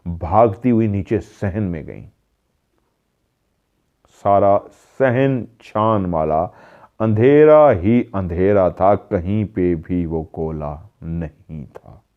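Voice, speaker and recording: A man with a low voice narrates a paranormal tale. He raises his voice to mimic the calls of the people in it. The recording is dull and lo-fi. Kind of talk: storytelling narration. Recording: dull lo-fi sound.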